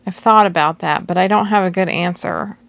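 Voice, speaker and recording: Earnest nervous young woman, voiced by a woman reader, low pitch with vocal fry. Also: brisk, fairly bright tone, no room sound.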